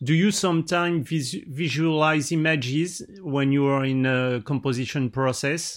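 This speaker has a French accent and talks at a moderate pace with hardly any pauses. The loudness stays very even, and the pitch varies in an ordinary way. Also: man, fairly high pitch for a man. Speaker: interviewer. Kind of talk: interview; scripted narration. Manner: halting.

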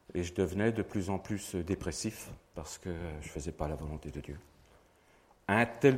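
Speaking at a moderate pace, a man uses lively intonation, big swings in loudness, and long, frequent pauses. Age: 60s. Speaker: church elder candidate. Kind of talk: testimony. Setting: church.

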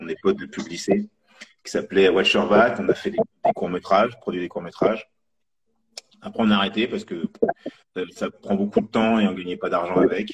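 A man talks fairly quickly with big swings in loudness and long, frequent pauses. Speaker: film director. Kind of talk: interview. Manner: hesitant.

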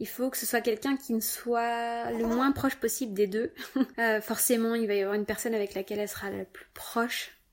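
On a very clean recording with a silent background, a woman talks at a fairly quick pace with fairly even intonation. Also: fairly high pitch for a woman. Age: 30s. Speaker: podcaster and personal development coach. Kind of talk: casual solo podcast monologue. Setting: home recording with baby nearby. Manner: unscripted, hesitant with fillers.

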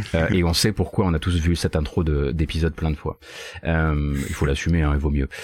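A man's very deep, low voice at a moderate pace, with fairly even intonation amid noticeable background noise. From eastern France. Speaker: music podcast guest. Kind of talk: casual chat.

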